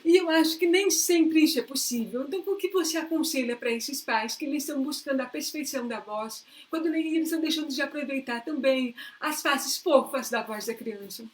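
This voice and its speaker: A Brazilian woman with a high-pitched voice hosts a live interview over a video call. She talks casually and builds long questions for her guest. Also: fairly quick, few pauses. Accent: Brazilian Portuguese. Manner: conversational, asks long framed questions. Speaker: host.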